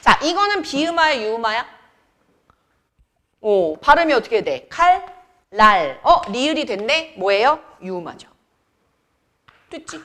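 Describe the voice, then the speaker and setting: Woman teacher, young adult, lively pitch, chatty classroom lecture, quizzing questions. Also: unhurried, long pauses. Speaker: Korean grammar teacher.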